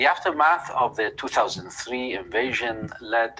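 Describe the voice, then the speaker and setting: This man's voice sits at a medium pitch. He talks very slowly. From Iraq. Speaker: archbishop. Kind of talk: prepared speech. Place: studio. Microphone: lapel.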